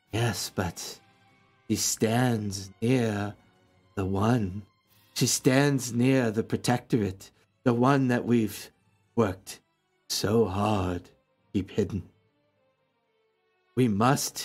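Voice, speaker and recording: A man puts on a character voice at a medium pitch, speaking at a very slow pace with long, frequent pauses. Faint music plays in the background. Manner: eerie, hungry, coaxing.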